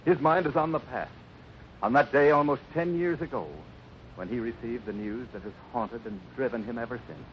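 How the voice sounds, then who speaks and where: A man's voice: medium pitch, normal speed, background noise. An American man narrating a 1950s radio drama in a suspenseful, portentous style. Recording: muffled 1950s radio recording. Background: dramatic music.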